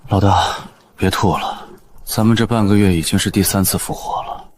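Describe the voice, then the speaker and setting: A man voicing a grumbling, low demon henchman. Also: fairly even intonation, normal speed, noisy background, natural voice. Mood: weary. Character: weary male demon minion.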